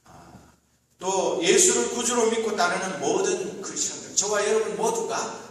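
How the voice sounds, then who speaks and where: Pastor preaching in an echoey hall. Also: male voice, high voice, far from the mic. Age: 50s. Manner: measured preaching with hesitant fillers, rising for emphasis. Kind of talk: sermon. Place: church sanctuary. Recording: echoey hall, recorded from afar.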